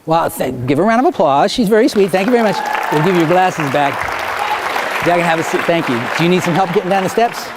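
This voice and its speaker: On a theater stage before a loud live audience, a man performs as a stage hypnotist, giving rhythmic, repetitive commands to volunteers. His voice sits high and is fast and expressive, and the recording picks up crowd noise.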